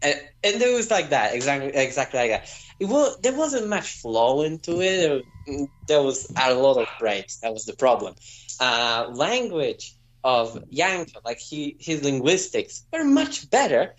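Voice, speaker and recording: A man's voice: mid-range voice, very animated, a little slow, low-quality recording. A man with a Polish accent, a native Polish speaker, giving a hesitant assessment full of fillers. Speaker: friend giving feedback. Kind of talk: casual spoken assessment.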